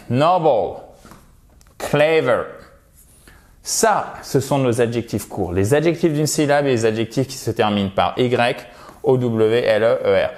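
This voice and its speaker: A man's voice: medium pitch, darkish tone. Man teaching English, stressing each word. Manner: emphatic, slows to model English words and stress. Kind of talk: recorded video lesson over slides.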